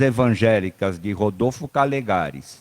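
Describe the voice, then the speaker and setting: Lively intonation marks a man speaking at a very slow pace. The sound is dry and close, with no echo. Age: 70s. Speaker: spiritist lecturer. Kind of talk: religious talk. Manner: halting.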